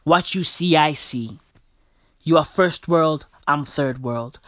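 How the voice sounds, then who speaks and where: A man's voice: a little high, takes it slowly, fairly bright tone, no echo, studio quality. A young South African man hosting a casual podcast, talking in slang and calling the listener bro and bruv. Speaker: podcast host. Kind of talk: casual solo podcast commentary. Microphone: podcast mic.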